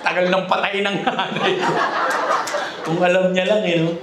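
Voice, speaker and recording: Animated Filipino stand-up comic, echoey hall. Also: male voice, high-pitched, moderate pace, noisy background. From Philippines. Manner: animated, laughing, acts out quotes. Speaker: stand-up comedian. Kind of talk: stand-up comedy set. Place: live comedy venue. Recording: echoey hall with loud crowd.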